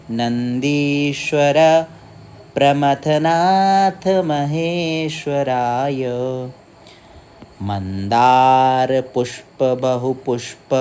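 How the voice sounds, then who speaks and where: A man teaches a Sanskrit stotram. He splits the words syllable by syllable and then chants them slowly and melodically. He asks his own questions and answers them himself. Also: medium pitch, a little mellow, a little hiss or hum.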